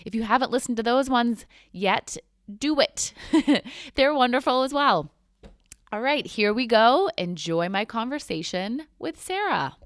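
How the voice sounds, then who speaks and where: A woman hosting a podcast, reading a scripted intro and then chatting with a guest, upbeat and quick to laugh. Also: on the high side, expressive, no room sound, clean studio sound. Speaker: podcast host.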